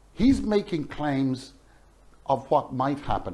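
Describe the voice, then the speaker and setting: With an Irish accent, a man speaks at a fairly slow pace. His tone is animated, and his pitch swings very widely. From Ireland. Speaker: political commentator. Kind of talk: political commentary vlog.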